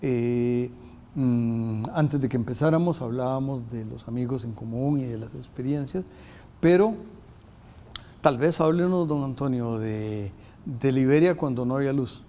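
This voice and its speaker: Slow, halting older male host. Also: mid-range voice, mellow. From Costa Rica. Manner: halting, many filler sounds. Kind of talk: university TV interview.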